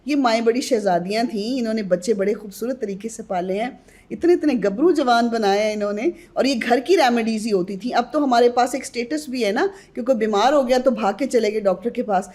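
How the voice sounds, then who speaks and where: A woman's voice: a little high, darkish tone. A woman who is a guest on a podcast interview, earnestly advising mothers on newborn care and addressing them directly.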